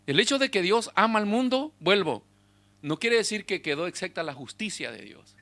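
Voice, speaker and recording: A man preaching a sermon as pastor, swinging between loud exhortation and hushed asides to the congregation. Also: sits high, animated, moderate pace. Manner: speaks directly to the congregation with rhetorical questions.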